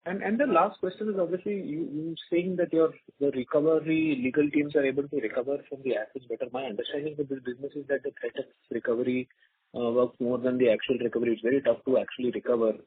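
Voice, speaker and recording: A man's voice: medium pitch, fairly even intonation, fast talker, breathy edge, dry recording. A man, an analyst on an earnings call, asking a probing question and restarting his sentences. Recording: dry, narrow phone line.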